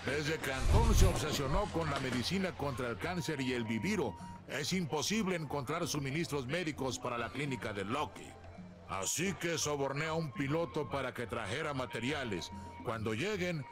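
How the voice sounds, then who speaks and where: An actor playing an older, teasing guerrilla mentor, theatrical, jovial and rough-tongued, in a video game. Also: male voice, medium pitch, lightly acted. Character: boisterous old male guerrilla legend, teasing mentor. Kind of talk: dramatic video game acting. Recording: loud game music behind the voice.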